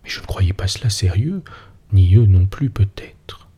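Husky man reading a story in a whisper. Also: deep voice, lively intonation, a little slow, mellow. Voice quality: breathy near-whisper. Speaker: narrator.

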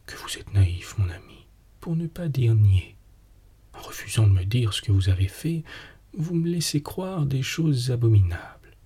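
A man voicing an affectionate, teasing young wife in a whispered role-play, breathy and soft. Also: mid-range voice. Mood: reproachful. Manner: coaxing, gently teasing.

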